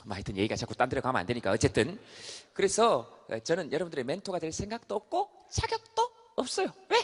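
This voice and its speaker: A man giving a comedic stage talk to a live audience, an animated storyteller who acts out the voices he quotes. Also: on the high side, fast talker, slightly rough. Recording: long hall reverb.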